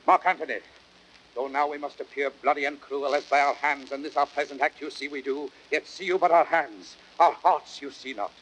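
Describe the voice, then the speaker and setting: Actor as earnest, oratorical Roman conspirator, old radio. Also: male voice, fairly high pitch, a bit bright, lightly acted. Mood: grave, placating. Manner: formal, deliberate, oratorical. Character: Brutus, earnest noble Roman conspirator, grave and reasoning. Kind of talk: 1930s American radio Shakespeare acting. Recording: noisy old 1930s radio broadcast recording.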